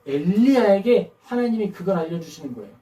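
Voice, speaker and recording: A woman's voice: mid-range voice, animated, a little fast, dark tone, faint music behind. Woman pastor preaching in a roomy hall. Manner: emphatic, rhetorical questions, acts out quotes. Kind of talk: sermon. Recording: roomy hall, mic at a distance.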